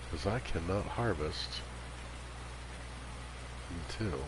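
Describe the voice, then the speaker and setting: Male game streamer, low register, nasally congested with a cold, casual commentary over clearly audible rain noise. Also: slow. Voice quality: stuffy nose. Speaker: livestream host. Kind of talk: casual gaming livestream commentary. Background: game rain sound.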